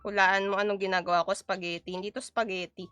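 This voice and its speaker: Playful Filipino woman streaming, bright voice. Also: medium pitch, level tone, fast talker, smooth, no echo, dull audio, soft background music. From Philippines. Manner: playful, chatty, switching between Tagalog and English. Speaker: VTuber streamer. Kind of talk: casual live-stream chat while cooking.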